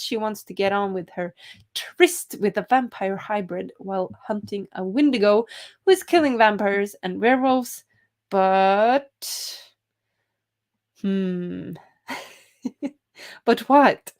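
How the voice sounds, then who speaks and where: Slow-talking giggly woman streamer. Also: mid-range voice. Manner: reads chat aloud, cheerful and giggly. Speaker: writing stream host. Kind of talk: casual live-stream chat.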